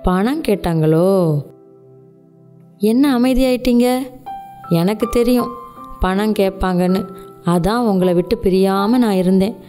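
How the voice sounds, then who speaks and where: A woman's voice: medium pitch, unhurried, pauses often, warm tone, faint music behind, natural voice. A young woman playing a sarcastic, suspicious daughter-in-law. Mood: accusing. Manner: sarcastic and accusing. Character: sharp-tongued daughter-in-law, jealous and suspicious. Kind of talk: radio drama acting.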